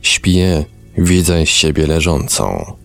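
A weary young woman under hypnosis, read by a man with a very deep, gravelly voice. She answers in slow, subdued, matter-of-fact phrases, with faint music behind. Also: big pitch swings, full character voice. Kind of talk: reading a hypnosis session transcript aloud.

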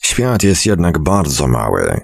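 A drunken, bloated man rambles on about his lost greatness, his words slurred and mumbled, voiced by a man reading a story. The voice is very deep and gravelly, and the pace is slow. The recording is close and dry. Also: huge pitch swings, dry recording, full character voice. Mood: drunken rambling. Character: drunken bloated man, a rambling self-proclaimed former scientist. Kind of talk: audiobook character reading.

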